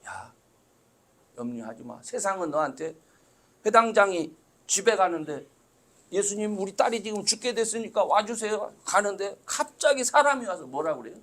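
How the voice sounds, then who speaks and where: A middle-aged male pastor preaching in a church, his voice very high and bright with a sharp edge. He talks to the congregation casually, then rises into loud, emphatic swells before dropping to soft asides. His pitch swings widely throughout. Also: big pitch swings, moderate pace. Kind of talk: sermon. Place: church sanctuary.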